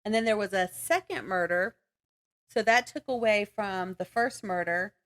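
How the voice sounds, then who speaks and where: A woman's voice: mid-range voice, normal speed. A woman podcast co-host chatting casually about books in a rambling, giggly way. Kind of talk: casual book chat.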